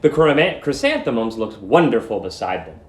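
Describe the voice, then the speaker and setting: A man's voice: medium pitch, very animated, normal speed. A man working as a teacher, giving a live read-aloud lesson with story narration. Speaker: teacher reading aloud to students. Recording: roomy echo.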